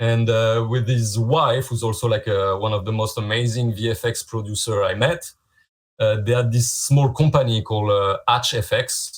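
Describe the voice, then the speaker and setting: A man's somewhat breathy, medium-pitched voice with a French accent, at a moderate pace and fairly even intonation, on a very clean recording with a silent background. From France. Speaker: visual effects artist. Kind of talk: podcast interview. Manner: halting, many fillers.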